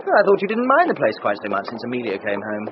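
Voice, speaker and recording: A brash, ribbing Victorian clerk. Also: male voice, medium pitch, wildly swooping pitch, quick pace. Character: young Victorian clerk, blunt and teasing friend. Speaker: radio drama actor. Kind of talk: period radio drama acting. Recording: dull recording with audible hiss.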